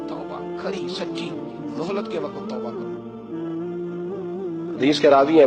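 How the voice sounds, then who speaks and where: A man preaching through stories in a dramatic, impassioned way, acting out dialogue and repeating phrases for emphasis. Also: on the high side. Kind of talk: storytelling sermon. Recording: loud music under the voice. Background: music.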